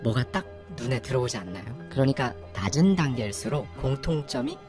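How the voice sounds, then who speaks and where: A man's voice: medium pitch, big pitch swings, brisk, music in the background. A man in his forties hosting a reflective motivational talk, speaking straight to his listeners and posing rhetorical questions. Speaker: channel host.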